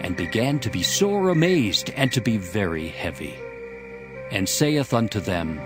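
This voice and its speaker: Casting: man to narrate dramatized scripture, lowish voice, very varied intonation, over music. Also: very animated, unhurried. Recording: music behind the voice. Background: background music.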